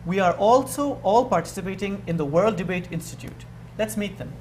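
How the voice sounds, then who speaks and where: A young man from Bangladesh, moderating a student panel discussion in a measured, formal way. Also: high-pitched. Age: young adult. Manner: measured, formal, repeats words while thinking. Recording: echoey room with background noise.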